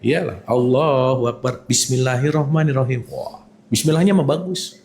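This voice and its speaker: A man's voice: mid-range voice, moderate pace, reverberant. A man giving a casual religious lecture, teasing and checking in with his listeners. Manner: animated, teasing, checks in with the audience. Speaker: religious teacher.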